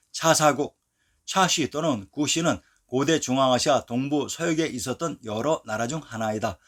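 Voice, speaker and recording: A man narrating a scripted history lesson in a measured, declarative way. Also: mid-range voice.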